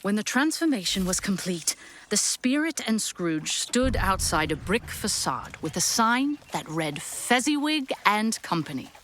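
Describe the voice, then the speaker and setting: A woman playing the storyteller, giving expressive, literary narration in a scripted audio drama. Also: mid-range voice, measured pace, slight background noise. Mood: storytelling. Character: storyteller narrating a classic Christmas tale.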